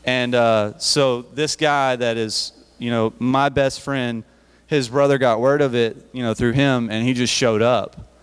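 A man's voice: mid-range voice, fairly even intonation, unhurried, smooth. A man preaching at a youth service in a church hall, talking conversationally and often repeating and restarting his words. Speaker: youth speaker. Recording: reverberant hall.

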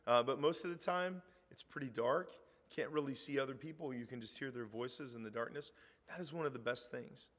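Hoarse middle-aged male preacher, conversational delivery, mid-pitched, reverberant hall. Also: brisk, fairly bright tone. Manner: conversational, reads scripture aloud with rising emphasis. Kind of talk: sermon.

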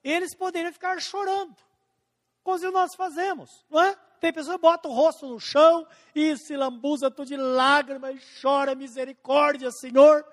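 A man preaching a sermon as pastor, slowing down and stretching out scripture quotes, swinging between emphatic and hushed lines. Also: extremely high pitch, steady tone. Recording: long hall reverb.

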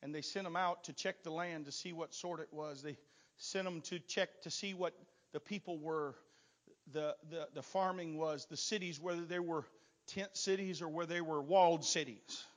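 A man preaching a sermon, swinging from quiet asides to loud, shouted exhortation. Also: a little high, steady tone, normal speed. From not from Texas.

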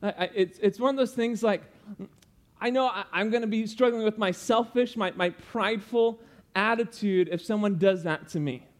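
A man's voice: high voice, normal speed. Earnest young man preaching a sermon. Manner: earnest, explanatory, teacherly asides.

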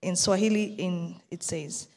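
A woman's voice: on the low side, unhurried. Kenyan woman reading in a hall. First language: Taita. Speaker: congregation member reading scripture. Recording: long hall reverb.

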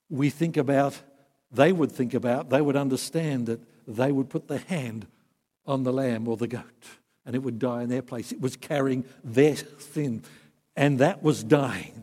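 A man preaching a sermon, earnest, swinging from emphatic peaks to soft, quiet passages. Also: mid-range voice. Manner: earnest, rising to emphatic then dropping soft. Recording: long hall reverb.

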